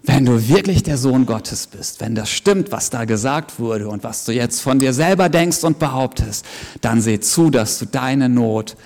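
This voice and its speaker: A man voicing a sly male devil who taunts in a low, hushed, goading tone, with the long reverb of a big hall. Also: lively intonation, unhurried. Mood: taunting.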